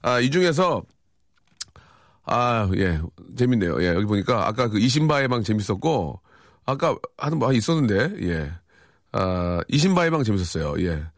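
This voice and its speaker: A man's voice: fairly low pitch, very animated, normal speed, no room sound, clean studio sound. A man hosting a radio show in casual chat, reading out listener messages with wry, chatty reactions.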